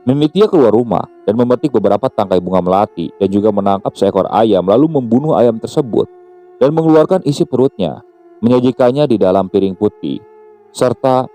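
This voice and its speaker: A man narrating a scripted horror story in a steady, measured way. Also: lowish voice. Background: faint music.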